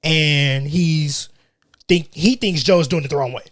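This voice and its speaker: A man talking as a podcast guest in casual chat, animated and opinionated. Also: on the high side, measured pace.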